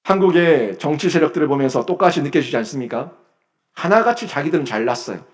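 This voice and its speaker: A male pastor delivers a Sunday sermon in a church sanctuary. His fairly high voice moves through a wide, lively pitch range. He keeps a forceful, emphatic delivery, alternating loud peaks with low, quiet lines. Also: fast. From South Korea. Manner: emphatic preaching, rising to loud bursts then dropping low.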